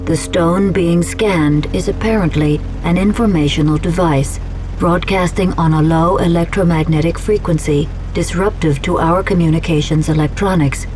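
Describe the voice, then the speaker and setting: A woman plays the operating mind of a war carrier in a game. She gives impersonal, procedural announcements in a low voice over music. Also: steady tone, normal speed, a little mellow, natural voice, poor audio. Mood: impersonal, official.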